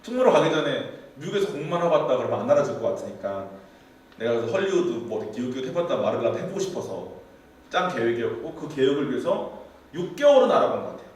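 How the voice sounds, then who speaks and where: A man, a pastor, telling a candid personal story in a sermon testimony, in an animated storytelling manner. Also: mid-range voice, fast. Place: church sanctuary. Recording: very echoey hall, distant mic.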